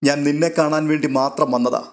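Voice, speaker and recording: A man's voice: a little high, steady tone, brisk, natural voice. A man reading a storybook, voicing a tearful young woman who pleads with her sister. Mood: pleading.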